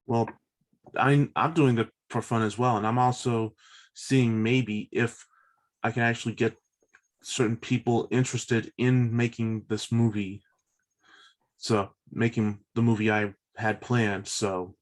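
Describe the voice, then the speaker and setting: A man in his thirties with an average-pitched voice talks casually over a video call. He speaks haltingly, circling back and repeating phrases as he makes his point. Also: level tone. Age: 30s. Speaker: participant in a virtual table read. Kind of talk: casual chat before a script read.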